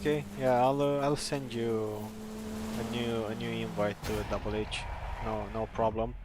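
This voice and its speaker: A man with a Romanian accent, a native Romanian speaker, chatting casually with viewers on a live gaming stream, pausing often with "uh" fillers. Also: medium pitch, flat delivery, heavy background noise. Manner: halting, many "uh" fillers, easygoing. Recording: loud game music behind the voice.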